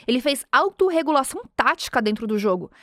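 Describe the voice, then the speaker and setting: A Brazilian woman in her thirties with a high-pitched voice hosts a podcast, sharing a personal story as motivational storytelling. She talks quickly, earnestly and animatedly, acting out the voices of the people in it. The recording is dry and close, without any room echo.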